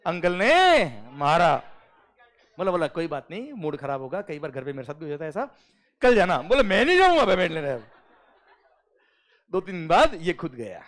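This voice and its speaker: Guy teaching in a classroom, high voice, super animated storytelling. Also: moderate pace. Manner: animated storytelling, acting out dialogue.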